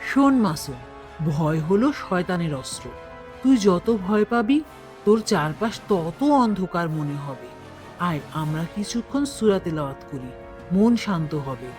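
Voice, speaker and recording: An actor voices a plucky twelve-year-old boy in an animated horror tale. His delivery swings in pitch and sounds sure and reassuring. Light music plays behind. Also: normal speed, natural voice. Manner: reassuring, confident. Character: brave, reassuring twelve-year-old schoolboy, devout and practical. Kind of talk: cartoon dubbing.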